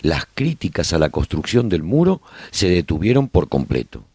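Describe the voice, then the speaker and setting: A man narrating a radio drama as a survivor chronicling life in his colony, with measured, expressive storytelling. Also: deep voice, slightly rough, dry recording, exaggerated voice. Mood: reflective storytelling. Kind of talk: scripted first-person narration, radio drama.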